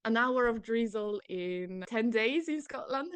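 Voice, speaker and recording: A woman co-hosting a podcast, chatting casually and relaxed, with filler words. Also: a little high, unhurried, clear, resonant tone, no room sound. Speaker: podcast co-host. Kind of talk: casual interview chat.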